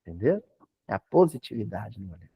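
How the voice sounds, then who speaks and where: A man with a Brazilian Portuguese accent giving a spiritist talk in a folksy, animated way, with humorous asides. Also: on the low side, fairly quick, vocal fry, slightly rough. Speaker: spiritist lecturer.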